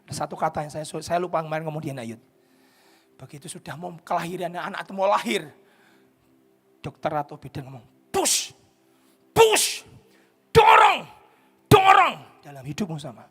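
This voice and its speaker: A male pastor giving an impassioned sermon, swinging between shouted peaks and hushed, whispered lines. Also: on the high side, quick pace, long pauses, slightly rough.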